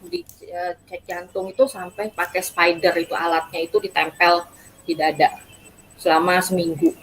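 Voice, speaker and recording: A woman guest telling her own story in an interview, speaking hesitantly with pauses and restarts. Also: fairly low pitch, a bit bright, a little hiss or hum, low-quality recording. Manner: hesitant, halting, many fillers. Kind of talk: personal account in interview.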